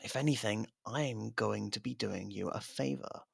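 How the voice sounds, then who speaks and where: A man's voice: lowish voice, moderate pace, creaky, husky, no room sound, studio quality, heavily acted. A man acting out a sardonic, taunting, casually profane imprisoned murderer in an ASMR roleplay. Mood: smug, needling. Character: sardonic imprisoned murderer reluctantly partnered with a detective.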